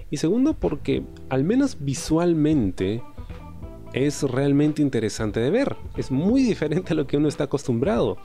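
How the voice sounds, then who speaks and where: A man's voice: medium pitch, creaky, warm tone. A man reviewing a graphic novel in a casual, reflective way, often tagging his points with questioning asides and a few hesitant fillers. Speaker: comic book reviewer.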